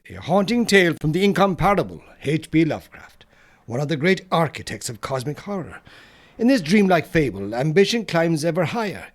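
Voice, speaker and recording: A man reading a scripted horror audiobook in a solemn, measured storytelling manner, with dramatic pauses and phrases that fall away at the end. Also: on the high side, big pitch swings.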